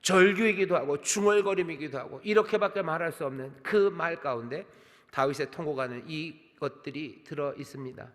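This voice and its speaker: Male pastor, sermon, earnest sorrowful delivery, fairly high voice, reverberant church sanctuary. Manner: earnest, sorrowful retelling with quiet repeated laments.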